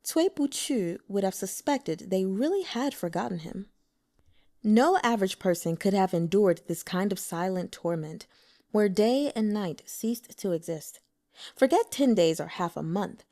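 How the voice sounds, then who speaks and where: A woman narrating a translated novel as an audiobook in a measured, expressive storytelling manner. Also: medium pitch.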